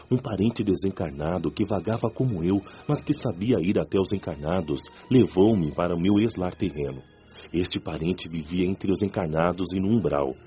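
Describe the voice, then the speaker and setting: A deep, dark-voiced repentant spirit man in a radio drama, telling his hardships in a slow, earnest way. The audio sounds a little dull, with faint music underneath. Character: former smoker spirit man recalling his suffering.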